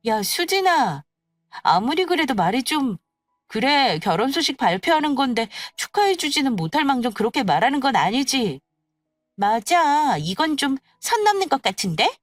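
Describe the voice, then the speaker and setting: 여자가 연기하는 호들갑스럽고 직설적인 젊은 여자, 높은 목소리. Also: female voice, high voice, sing-song, moderate pace, no room sound, studio quality, faint music behind, voice pushed up. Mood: reproachful. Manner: exclaiming, nosy, blunt. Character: excitable, gossipy, blunt young female friends. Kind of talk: acted dialogue in an audio story.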